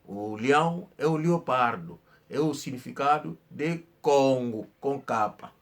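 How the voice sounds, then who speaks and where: Um homem que conta história num tom informal, falando de forma enfática, com repetições e hesitações. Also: male voice, mid-range voice. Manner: slow, emphatic storytelling with hesitations and repetitions. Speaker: channel host. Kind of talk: informal history talk.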